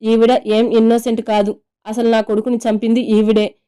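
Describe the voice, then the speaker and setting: A woman reading as an enraged vengeful father in his fifties, threatening, flat delivery, mellow smooth voice. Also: a little high, normal speed, lightly acted. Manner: threatening, shouting accusations.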